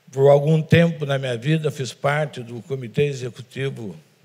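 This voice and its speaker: At a fairly slow pace, a man talks with a medium pitch and ordinary pitch variation. His voice is somewhat breathy. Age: 60s. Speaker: pastor and advertising executive. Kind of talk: sermon.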